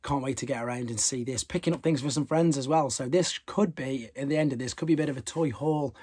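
A man's voice: mid-range voice, fast, darkish tone, breathy edge, clean studio sound. A man in his thirties with a British accent, talking casually to his phone camera about his day selling toys, upbeat but a little tired. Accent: British English. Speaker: toy seller and YouTuber. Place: bedroom, then car, car park and big indoor exhibition hall. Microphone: phone held at arm's length. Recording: phone audio with hall noise.

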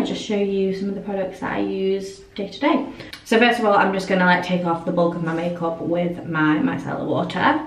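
A young woman, vlogging casually to camera, a little croaky from a cold, with lots of ums. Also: on the low side. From England. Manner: chatty, friendly, many ums. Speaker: beauty vlogger. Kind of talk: casual vlog chat to camera. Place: hotel room and tiled bathroom. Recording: echoey room sound.

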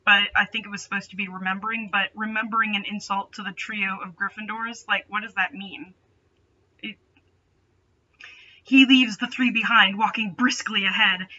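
A woman's voice: mid-range voice, pushed and bright, highs cut off. A young adult woman reading a story aloud with dramatic delivery and sarcastic, mocking asides. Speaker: host reading fan fiction aloud. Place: small bedroom, indoors.

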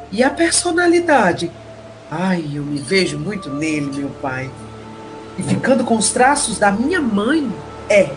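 Guy playing noble brazilian hero dad in an audio drama, sentimental and theatrical, music behind. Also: a little high.

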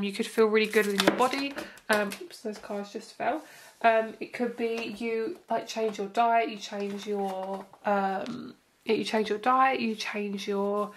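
A young woman with a nose stuffed up from hay fever gives a casual, chatty and reassuring tarot reading to camera, full of fillers. Her mid-range voice is a bit bright, with slight background noise, in an indoor room where the table is seen from above.

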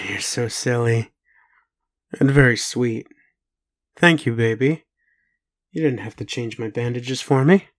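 In intimate audio roleplay, a man with a medium-pitched voice plays a werewolf who is groggy, gentle, and doubtful. He looks after the listener like a devoted caregiver, his words tender and halting.

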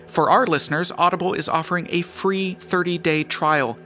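Podcast sponsor read: male, slightly high pitch, bright forceful tone, light music underneath. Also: steady tone, moderate pace. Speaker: podcast creator reading sponsor message.

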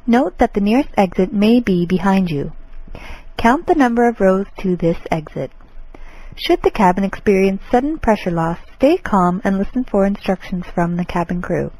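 Casting: composed flight attendant played by a woman, mid-pitched, dark soft tone, formal scripted safety announcement. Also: breathy edge, poor audio. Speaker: flight attendant in a listening lesson.

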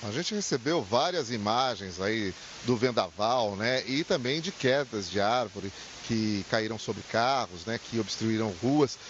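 A middle-aged man with a Brazilian accent reporting live from a city street into a handheld mic, conversational and animated, sometimes restarting phrases. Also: on the low side, a little slow, few pauses. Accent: Brazilian Portuguese. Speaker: field reporter. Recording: slightly dull with faint hiss.

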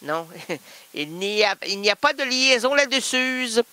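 A male radio host with a Québécois accent keeps up a joking, teasing banter and laughs often. His voice sits high and comes out sharp and bright. The studio mic catches him close and dry, with no room around him. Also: animated, a little slow, smooth, dry recording. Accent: Québécois French.

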